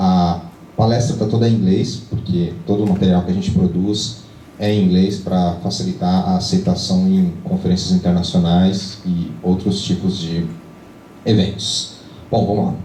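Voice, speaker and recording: A man's very deep, low voice at a fairly slow pace, fairly even in intonation and very even in loudness, with audible room echo and noticeable background noise. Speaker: tech conference speaker, PhD researcher. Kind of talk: technical talk at a meetup. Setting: auditorium with audience.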